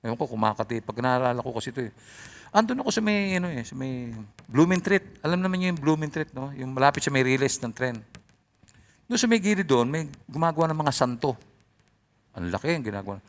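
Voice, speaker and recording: Animated male preacher with a lively voice. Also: medium pitch, a little fast. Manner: animated, voice often rising loud. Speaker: pastor. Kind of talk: sermon.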